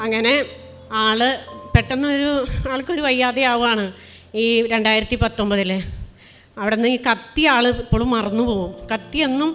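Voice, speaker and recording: A middle-aged woman from Kerala giving a spoken personal testimony, telling it plainly and earnestly, with many pauses and restarts. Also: a little high, a bit bright, soft background music. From Kerala, India. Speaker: testimony speaker.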